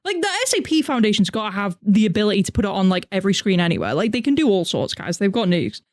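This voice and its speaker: Animated woman streamer, lively swooping pitch. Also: quick pace, dry recording, clean studio sound. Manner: animated, expressive streamer chatter with exclamations. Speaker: streamer reacting to a video. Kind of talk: casual reaction commentary.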